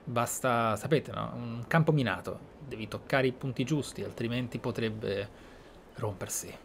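An Italian man doing casual let's-play commentary in a medium-pitched voice. He talks reflectively in short, broken-up phrases, with clear game ambience behind him. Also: a little slow, slight background noise. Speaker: gaming YouTuber.

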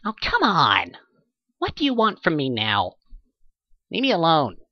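A man's voice: fairly high pitch, huge pitch swings, measured pace, no echo, dull audio, exaggerated voice. A man voicing a bratty, sulky male pony for a game audition, whiny, petulant and dismissive. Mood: irritated. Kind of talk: game character audition lines.

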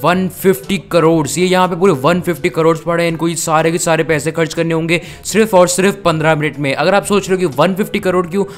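A man's voice: fairly high pitch, steady tone, fast, hardly any pauses, faint music behind. A young man hosting a comic gameplay role-play, scolding his sidekicks in exasperated banter. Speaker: gaming YouTuber host.

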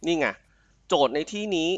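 A young man from Thailand tutoring a student live online. He reads the passage aloud slowly, then explains it in quick, chatty talk. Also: no room sound. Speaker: IELTS tutor. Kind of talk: live online tutoring, Thai mixed with English. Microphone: online call mic.

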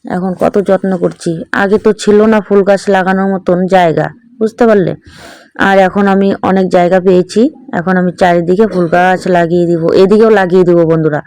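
A middle-aged woman with an East Bengal Bangal accent talks her viewers through her day in an easy, chatty vlog. Her voice is smooth and clear. The sound is close and dry, with no room echo. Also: lowish voice, steady tone, fairly quick, warm tone. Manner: chatty, keeps checking in with tag questions. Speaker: vlogger. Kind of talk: casual home vlog narration.

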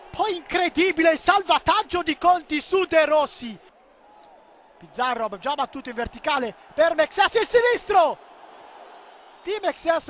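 A man giving excitable live football commentary, swinging between clipped calls and drawn-out shouts. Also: very high voice, a little hiss or hum.

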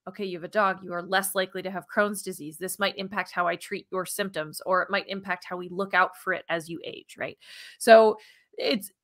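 A woman, co-hosting a science podcast in an animated, informal, emphatic conversational way. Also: on the low side, a little fast. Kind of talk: conversational science news presentation. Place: small furnished room at home, indoors. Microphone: video call, wearing headphones.

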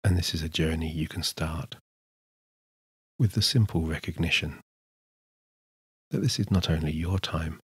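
A man narrating a scripted sleep hypnosis session in a soothing, measured manner with unhurried pauses. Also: rumbling low, steady tone, husky, no echo, clean studio sound. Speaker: hypnotist, guided meditation narrator.

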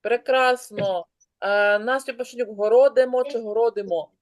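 A woman teaching an online class, brisk and encouraging, calling on pupils by name. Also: on the high side.

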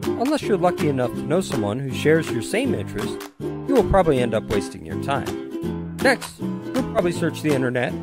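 A man's voice: a little high, wildly swooping pitch, moderate pace, loud music behind the voice. A middle-aged man reading scripted commercial narration in a polished, earnest way with emphatic phrasing. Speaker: voice-over artist.

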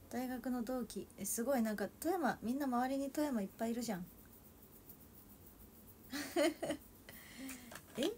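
Giggling often, the young woman from Toyama, Japan chats with her livestream viewers and reads their comments in her Toyama accent as an idol streamer. Her voice is fairly high with a darkish tone, and there is slight background noise.

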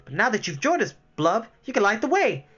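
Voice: mid-range voice, sing-song, fairly bright tone, husky, dull audio, pitched above the performer's own voice. A reader doing a chirpy tiny little man. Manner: chirpy, brisk, spirited. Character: tiny cheerful male rider in a top hat.

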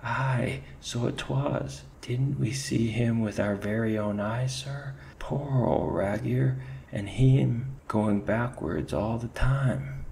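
A man voicing a frightened, superstitious male ferret soldier with an Irish accent and a high, quavering voice. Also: slow, creaky, darkish tone, slight background noise. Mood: fearful.

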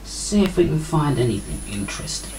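Her low voice swings widely in pitch as this radio hobbyist talks briskly, wry and apologetic, while working at an indoor bench. A crowd can be heard behind her, and the desk mic near an amplifier gives a rough recording.

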